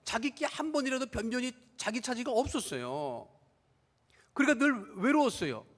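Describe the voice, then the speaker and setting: A man's voice: very high-pitched, big pitch swings, normal speed, fairly bright tone, in a large hall. A man preaching a sermon as pastor, telling a story and acting out the voices of the people in it. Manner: storytelling, acts out quoted family members. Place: church sanctuary.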